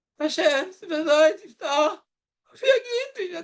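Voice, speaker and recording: In a put-on character voice, the speaker whines at an extremely high pitch and a very slow pace, the tone whiny throughout. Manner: whiny, pleading.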